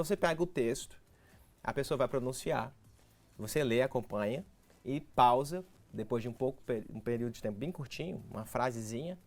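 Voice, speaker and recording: A Brazilian man speaks with a Brazilian Portuguese accent in a middle-range voice. He explains things patiently and step by step, like a teacher giving practical tips. He is a guest in a TV studio interview. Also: mid-range voice.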